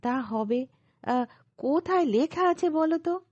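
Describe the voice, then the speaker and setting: A woman's voice: high-pitched, expressive, measured pace, a little mellow, no echo, pitched above the performer's own voice. Woman playing a mild, lilting male tutor. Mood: doubtful. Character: kindly, mild male tutor, easily surprised. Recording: slightly dull, lo-fi recording.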